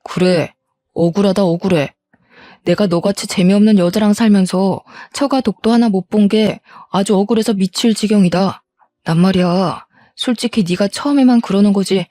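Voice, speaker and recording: A woman's voice: medium pitch, moderate pace, warm tone, no room sound, close to an everyday voice. Woman voicing a self-pitying spiteful husband. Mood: bitter. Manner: pleading then defiant, self-pitying. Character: resentful middle-aged husband, whiny and spiteful.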